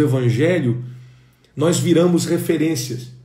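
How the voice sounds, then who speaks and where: A man with a dark, mellow, somewhat breathy tone and a fairly high pitch speaks at a fairly slow pace with ordinary pitch variation, and audible room echo. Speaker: preacher and teacher. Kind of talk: lecture. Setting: livestream.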